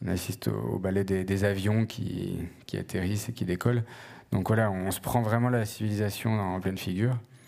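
Dark and mellow in tone, a man's fairly low voice moves at a moderate pace with ordinary pitch variation. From France, Jura. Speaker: novelist. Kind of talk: author interview before live audience. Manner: halting, many repetitions.

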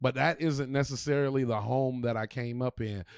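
Recorded very cleanly against a silent background, a man with an American accent and a normal speaking voice talks at a moderate pace and medium pitch. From United States. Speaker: podcast co-host. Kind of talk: casual chat.

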